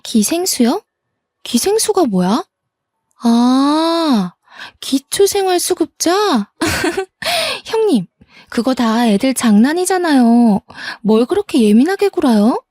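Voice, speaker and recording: Brief: sneering, high-pitched sister-in-law played by a woman, dismissive and scornful, told as a narrated story. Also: very animated, slow, warm tone, no echo, studio quality, full character voice. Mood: mocking. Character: mocking, snobbish younger sister-in-law on the phone.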